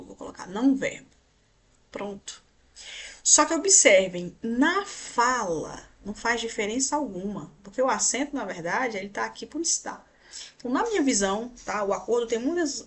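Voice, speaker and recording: A Brazilian woman teaching a grammar class, with a husky, breathy edge to her voice. She explains step by step and points things out on the slides. She keeps checking that the class is following along. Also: fairly high pitch. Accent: Brazilian Portuguese.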